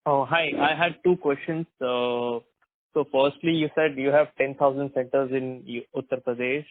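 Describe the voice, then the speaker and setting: Flat-toned man on a phone. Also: mid-range voice, normal speed, no echo. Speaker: investment analyst asking questions. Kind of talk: conference call questioning. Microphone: phone call. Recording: dry, narrow phone line.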